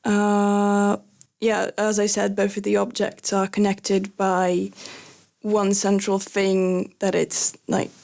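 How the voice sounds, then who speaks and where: Woman, native Lithuanian speaker, young adult, unhurried, hesitant with fillers. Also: medium pitch, monotone, vocal fry. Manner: hesitant, many fillers, laughs softly. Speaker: guest. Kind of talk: casual conversational storytelling.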